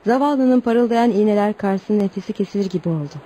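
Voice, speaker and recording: A woman's voice: medium pitch, fast talker, mellow, lightly acted. An actress playing an earnest, loyal young tribal woman in a radio play, with theatrical delivery. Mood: storytelling. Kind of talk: Turkish radio theatre acting. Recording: noisy old radio drama recording.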